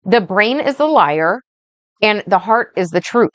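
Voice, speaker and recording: A woman life coach rambling through a casual vlog monologue, slow and blunt, swearing freely and checking in with "right?" and "okay?". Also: medium pitch, lively intonation, a bit bright, no echo. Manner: speaks slowly.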